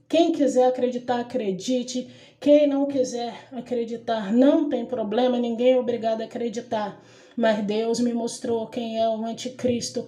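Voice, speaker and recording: A woman's voice: on the high side, dark tone. A middle-aged woman recounting a prophetic dream in an emphatic, repetitive, dramatic way. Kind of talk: earnest spoken testimony. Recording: echoey room.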